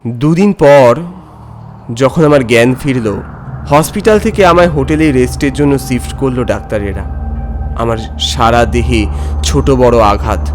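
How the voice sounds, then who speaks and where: Animated male storyteller, music behind. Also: mid-range voice. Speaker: narrator and voice actor of an animated horror story. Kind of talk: dramatic first-person story narration.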